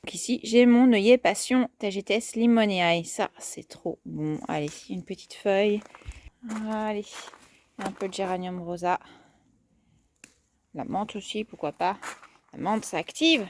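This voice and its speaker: A woman's voice: medium pitch, measured pace, darkish tone, slight background noise. A woman, presenting plants in a casual garden vlog, chatty and playful, with many fillers and asides.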